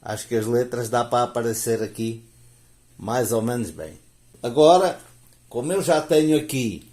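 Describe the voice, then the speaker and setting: This Portuguese man has a medium-pitched, slightly mellow voice and a European Portuguese accent. He hosts a relaxed DIY demonstration in an echoey room, chatting at length as he works and sprinkling in plenty of "né?" and "ó".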